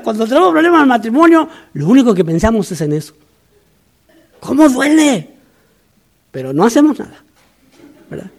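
High-voiced preaching man. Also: a bit bright. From Argentina. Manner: emphatic, repetitive, humorous asides. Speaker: pastor. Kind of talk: sermon.

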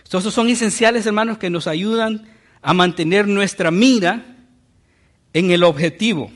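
A man's voice: sits high, measured pace, a bit bright. A man preaching a sermon as pastor, teaching with rhetorical questions.

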